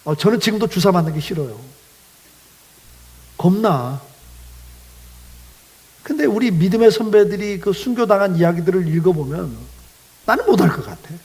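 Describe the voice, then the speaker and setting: A man's voice: sits high, lively intonation, normal speed, long pauses, a little mellow, poor audio. A man preaching a sermon as pastor, telling the story dramatically, acting out quoted voices and asking the congregation questions.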